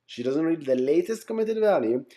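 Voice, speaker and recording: A man presents an informal software lesson in a conversational way. His pitch moves around a lot, giving an animated delivery, while the tone stays relaxed and mellow. He often tags his points with quick check-ins to the listeners. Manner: conversational, often checks in with "right?", "okay?", "guys". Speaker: software engineering instructor, channel host.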